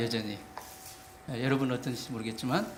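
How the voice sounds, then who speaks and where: There is noticeable background noise along with audible room echo. The man speaks at a medium pitch with ordinary pitch variation. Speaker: pastor. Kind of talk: sermon. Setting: church. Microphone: audio problems in recording.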